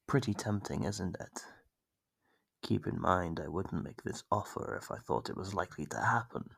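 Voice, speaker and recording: Close to a dry microphone, a man voices a sadistic monster in an ASMR horror roleplay, mocking his captive prey with false politeness. His gravelly, husky delivery has a whispery edge, sitting low and slightly bright at a normal speed. The character voice is exaggerated.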